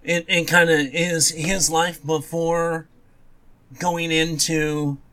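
A man co-hosting a podcast in casual movie chat, often pausing and correcting himself as he goes. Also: fairly high pitch, level tone, sharp tone. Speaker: podcast co-host.

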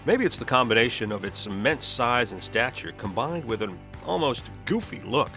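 A man's voice: medium pitch, lively intonation, moderate pace, pushed and bright, faint music behind. A man hosting a podcast, reading scripted narration in the manner of a nature documentary. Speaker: podcast host.

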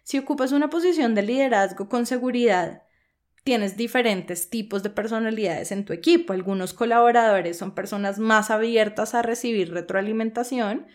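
A woman's voice: fairly high pitch, moderate pace. Woman coach explaining leadership skills. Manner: explanatory, checks in with frequent "¿sí?". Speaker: podcast host and leadership coach. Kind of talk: instructional podcast talk.

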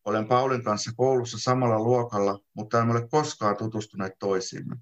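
Low-voiced man reading his prose. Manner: calm, measured first-person narration. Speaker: author reading his own text. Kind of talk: literary reading. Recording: dull lo-fi sound.

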